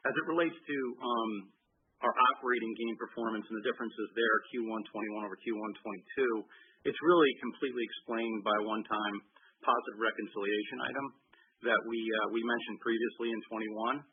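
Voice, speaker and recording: A man's voice: lowish voice, steady tone, brisk, slightly rough. A male executive answering on an earnings call in upbeat corporate phrasing. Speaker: company executive answering analyst questions. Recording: narrow-band conference call line.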